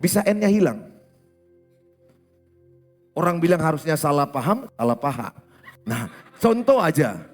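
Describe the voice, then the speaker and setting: A man's voice: a little high, very animated, a little slow, pauses often, soft background music. A middle-aged man preaching in church with a Batak accent, asking the congregation questions and mimicking regional accents. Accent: Batak-inflected Indonesian. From Indonesia. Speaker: pastor. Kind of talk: sermon. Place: church hall.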